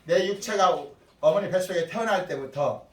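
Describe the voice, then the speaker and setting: A man's voice: high voice, normal speed. Grandfatherly pastor heard from across the room. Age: older. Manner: lively, quizzes children and calls on them by name. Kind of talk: sermon. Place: church sanctuary. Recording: echoey room from far off.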